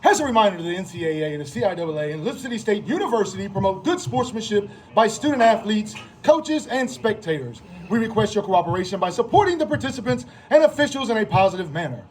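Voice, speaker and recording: A male American public address announcer with an extremely high-pitched voice. His delivery swoops up and down as he announces football lineups, stretching out names with theatrical flair. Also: sing-song, rough recording. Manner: theatrical, drawn-out name calls.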